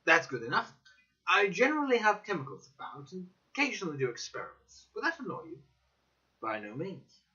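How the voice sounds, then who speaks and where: A man voicing an eager, excitable young detective-scientist in a dramatic audiobook reading, boastful and theatrical with sweeping emphasis. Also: sits high, fairly quick, pitched above the performer's own voice, full character voice. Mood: brisk, frank. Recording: dull, slightly lo-fi recording.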